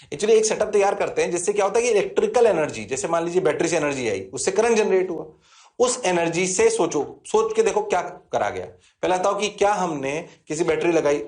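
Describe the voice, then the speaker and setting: Indian-accented male teacher, lecture in a classroom, plays both sides of the dialogue, a bit high-pitched. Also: a little mellow. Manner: talks to students, answers himself in their voice; repeats key phrases, mixes English terms in. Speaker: physics teacher.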